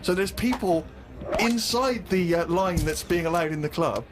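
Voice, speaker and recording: A man co-hosting a radio show, telling a comic story in an animated, exasperated way. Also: sits high, normal speed, over music. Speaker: radio co-host.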